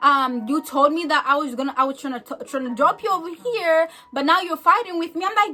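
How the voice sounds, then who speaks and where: The woman's pitch is extremely high. She talks at a fairly quick pace in a raised, projected voice. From Zambia. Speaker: YouTube lifestyle vlogger. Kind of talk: storytime vlog. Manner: animated.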